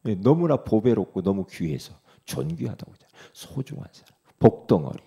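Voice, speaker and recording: A male pastor preaching a sermon, speaking God's promises directly to the listener in intimate, familiar address, swinging from loud exhortation to near whispers. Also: fairly low pitch, big pitch swings, fairly quick. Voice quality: gravelly, husky.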